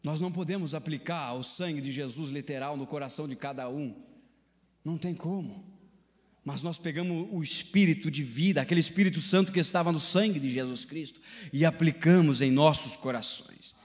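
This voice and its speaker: A man with a Brazilian Portuguese accent preaching a sermon in a church, swinging between shouted climaxes and low, hushed passages in a repetitive preaching cadence. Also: fairly quick, in a large hall. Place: church sanctuary.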